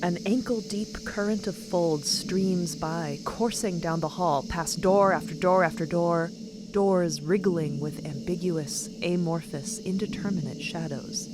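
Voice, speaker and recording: Low-voiced woman narrator over loud ambience. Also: a little slow, heavy background noise. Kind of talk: dramatic scripted narration. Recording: loud ambient sound bed behind voice.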